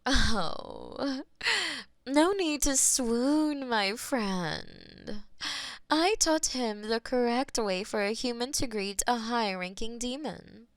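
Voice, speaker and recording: A woman voicing a possessive, taunting female demon mistress in a scripted audio roleplay, teasing and slipping into soft whispers. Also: a little high, animated, slow pace, dry recording. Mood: gushing.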